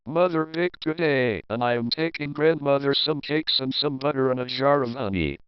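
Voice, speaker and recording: A sweet little storybook girl, as a man reads the part, innocent, polite and trusting. The delivery is smooth and clean, recorded dry. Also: medium pitch, moderate pace, dry recording, highs cut off, natural voice. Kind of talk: storybook character voice.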